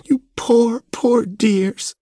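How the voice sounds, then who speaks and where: A man's voice: high-pitched, lively intonation, normal speed, darkish tone, slightly rough, no room sound, clean studio sound, voice pushed up. A man voicing a dainty, fussy, sentimental young woman in a storybook, pleading theatrically. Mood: tearful, sympathetic.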